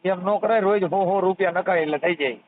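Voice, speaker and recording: A high-pitched man talks at a quick pace during a casual phone call, persistently asking teasing questions in a Kathiawadi Gujarati accent. He's a social worker taking the call. The recording is dry, tinny, and narrowband.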